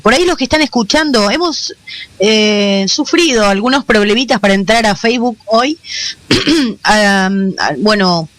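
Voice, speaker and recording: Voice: mid-range voice, fairly bright tone, dry recording. A radio host with a Rioplatense Spanish accent, speaking casually and chattily with fillers while questioning a guest. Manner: chatty, loose, uses voseo, with fillers.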